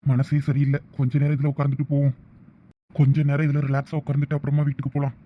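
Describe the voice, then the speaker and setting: A man's voice: fairly high pitch, monotone, rapid-fire, lo-fi sound, noisy background, close to an everyday voice. A man playing a jealous, devoted young husband in a village drama, with emotional delivery. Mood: troubled. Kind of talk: village web-series acting.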